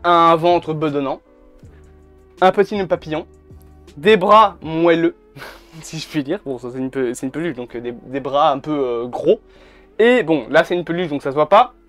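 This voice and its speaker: Chatty guy over soft music. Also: fairly high pitch, moderate pace. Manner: chatty, blunt, swears casually. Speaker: YouTuber. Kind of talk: casual video commentary. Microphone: camera mic. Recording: faint background music.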